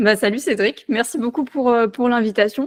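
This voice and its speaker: The recording is very clean, with a silent background. A woman speaks at a very fast pace in a fairly high voice. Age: 30s. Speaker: medical physicist and investing YouTuber. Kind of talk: interview.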